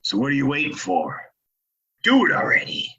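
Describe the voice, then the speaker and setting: An actor playing a cruel, dying outlaw in a Western audio play, taunting in a folksy drawl with a gravelly rasp. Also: male voice, medium pitch, wildly swooping pitch, normal speed, pushed and bright, dull audio, slight background noise, full character voice. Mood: cruel goading. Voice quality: raspy, gravelly. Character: dying sadistic male Old West outlaw, taunting and remorseless.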